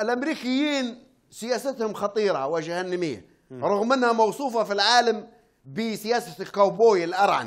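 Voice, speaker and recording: Against a quiet background, a man with a Libyan accent speaks loud at a moderate pace, high in pitch, with an animated tone and lively intonation. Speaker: political analyst. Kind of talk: TV political talk show interview. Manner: loud, raised voice. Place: studio. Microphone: lapel.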